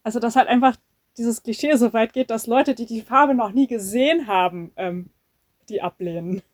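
A woman's voice: fairly high pitch, moderate pace, a little mellow, no echo. A woman co-hosting a casual podcast, telling an anecdote with hesitant fillers. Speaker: podcast co-host.

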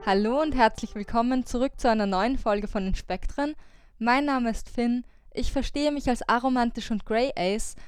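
Smooth-voiced woman hosting. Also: fairly high pitch, moderate pace, soft background music. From Austria. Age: 20s. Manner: reads out listener survey answers. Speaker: podcast host. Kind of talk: casual podcast chat.

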